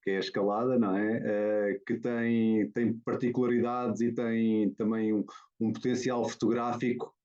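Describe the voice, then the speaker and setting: A man's voice: lowish voice, level tone, normal speed, mellow. A man from Portugal with a European Portuguese accent, presenting his photography over a video call in a hesitant way, with many fillers and restarts. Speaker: guest photographer. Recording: dull lo-fi video call audio.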